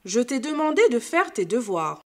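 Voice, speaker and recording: A woman's voice: on the high side, sing-song, normal speed. A woman reading as an exasperated scolding woman. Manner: reproachful, emphatic.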